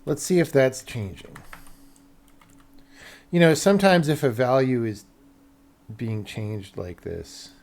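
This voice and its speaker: A man's voice: mid-range voice, slow, creaky, long pauses, a little mellow. A man live-streaming game development, thinking aloud casually and muttering to himself in short fragments.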